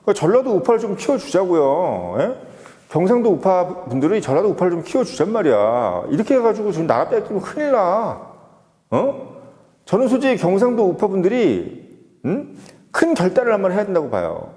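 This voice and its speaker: A man's voice: sits high, very animated, a little fast, dark tone, big-room sound. A man giving an emphatic political opinion monologue, full of rhetorical questions. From Seoul. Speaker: political commentator.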